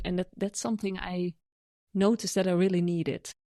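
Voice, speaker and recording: A woman with a Dutch accent speaks at medium pitch in a dark, mellow tone, at a moderate pace. Her intonation is monotone and flat, and the sound is dry and close with no echo. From Netherlands. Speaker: money mindset coach. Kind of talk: interview podcast.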